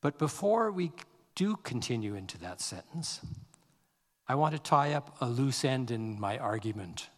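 A man delivers a sermon at a very unhurried pace, his voice at an ordinary middle pitch. He reads scripture with deliberate weight on key words. A long hall reverb trails behind each phrase. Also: sing-song. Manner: slow, measured delivery, reading scripture aloud with deliberate emphasis. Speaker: pastor.

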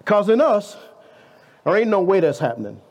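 A man's voice: high voice, big pitch swings, moderate pace, a little mellow, husky. A man in his fifties preaching a conversational sermon in a church, full of rhetorical questions and playful asides. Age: 50s. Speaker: guest preacher.

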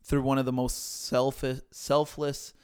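A man co-hosting a Christian podcast, talking through faith in a reflective, measured, gentle way. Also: mid-range voice, flat delivery, clean tone, no echo, clean studio sound. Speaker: podcast co-host. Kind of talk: casual faith discussion.

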